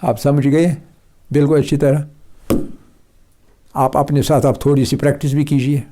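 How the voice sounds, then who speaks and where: A man's voice: on the high side, level tone, warm tone. A man teaching Quran pronunciation, patiently repeating example words and drilling his students.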